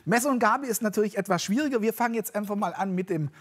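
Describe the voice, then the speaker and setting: A man's voice: high-pitched, racing. A man as a fitness trainer guest, explaining a shoulder exercise step by step with encouragement. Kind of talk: studio demonstration.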